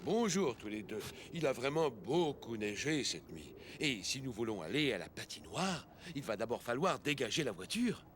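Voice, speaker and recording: A man playing a kindly old grandfather in a children's cartoon, encouraging and gently instructive. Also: medium pitch, very animated, normal speed, few pauses, a little hiss or hum. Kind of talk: French-language children's cartoon dialogue.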